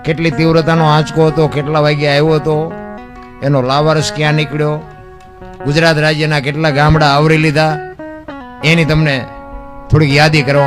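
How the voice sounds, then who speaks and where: A man with a Gujarati accent performing folk storytelling on stage, breaking into loud rhythmic rhymed recitation. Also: a little high. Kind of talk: Gujarati lok dayro storytelling. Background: music.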